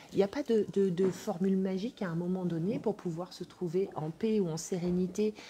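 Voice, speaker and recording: A woman speaks at a medium pitch with a dark, mellow tone. Her voice comes across somewhat breathy. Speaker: spiritual medium and energy healer. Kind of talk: live stream talk. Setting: coworking space, live video stream.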